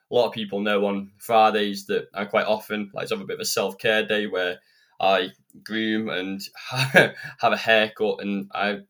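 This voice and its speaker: Sniffly low-voiced man hosting. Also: fairly bright tone. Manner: earnest, rambling and chatty. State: slightly croaky and sniffly with a cold. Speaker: podcast host. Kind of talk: solo self-improvement podcast monologue. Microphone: podcast microphone.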